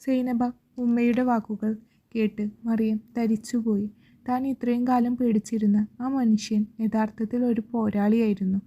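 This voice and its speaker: A woman narrating a romance story in a steady, even reading manner, on a dull lo-fi recording. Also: on the high side, normal speed.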